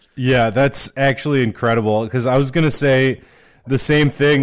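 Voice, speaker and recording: An ordinary speaking voice from a man, medium in pitch, at a moderate pace with fairly even intonation. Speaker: podcast co-host. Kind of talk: casual chat.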